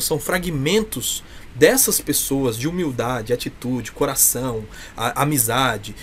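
A man's voice: fairly high pitch, slight background noise. A man with a Brazilian accent chatting casually and effusively as an interview guest. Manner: effusive, talkative. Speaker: interview guest, clown performer. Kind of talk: casual chat. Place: indoors, small room with cloth backdrop.

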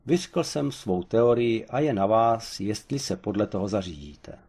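A man's voice: fairly low pitch, lively intonation, a little mellow, husky. A man voicing a self-assured male expert on the supernatural who lectures in a dry, unruffled way in an audiobook. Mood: lecturing. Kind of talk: audiobook character voice.

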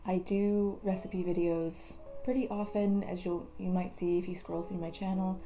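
A woman hosting her own vlog, talking casually to camera in a slightly groggy morning voice, chatty and grateful. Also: medium pitch. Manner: chatty, grateful, a little rambling. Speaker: vlog host. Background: soft background music.

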